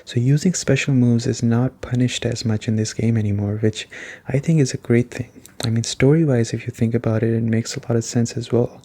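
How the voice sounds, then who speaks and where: A soft-spoken, relaxed man giving an ASMR-style video game review as a casual chat. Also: medium pitch, brisk. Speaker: gaming video host.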